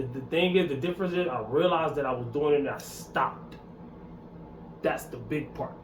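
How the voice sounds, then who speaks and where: A man in his forties speaks in a fairly high voice, delivering blunt, repetitive motivational advice as a fitness vlogger. The sound carries the echo of a bare room, with a faint hiss underneath. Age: 40s. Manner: blunt, repetitive, preachy, animated. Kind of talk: casual motivational talk to camera.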